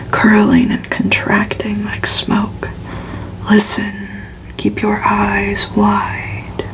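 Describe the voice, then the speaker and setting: Slow, whispering woman reading ASMR. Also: mid-range voice, creaky, poor audio. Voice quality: soft unvoiced whisper. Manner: slow, hushed, even narration. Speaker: ASMR reader.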